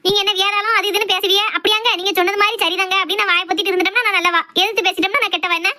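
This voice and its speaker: A woman voicing a sharp-tongued, outspoken village wife and mother in a cartoon family drama, scolding and argumentative with a Tirunelveli Tamil accent. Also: very high-pitched, fairly even intonation. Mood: indignant, combative. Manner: scolding, argumentative, rapid complaints.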